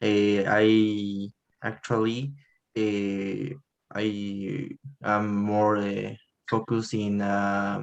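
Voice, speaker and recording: A man with a Spanish accent, fairly low-pitched, at a very slow pace with long, frequent pauses and fairly even intonation. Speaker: acting student and musician. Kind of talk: group interview on video call. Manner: halting, many hesitations.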